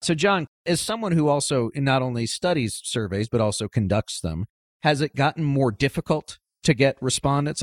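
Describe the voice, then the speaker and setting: Dry and close with no echo, this very clean recording with a silent background captures a man in a normal speaking voice at medium pitch with ordinary pitch variation. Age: 40s. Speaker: political podcast host. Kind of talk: interview podcast.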